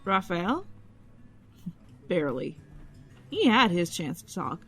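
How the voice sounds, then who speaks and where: A woman's voice: lowish voice, very animated, takes it slowly, fairly bright tone, slightly rough, faint music behind, exaggerated voice. An actress playing a stubborn, stressed woman detective with a terse, dry delivery in an audio drama. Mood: weary, hurt. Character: stressed, stubborn, guarded female police detective. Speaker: police detective.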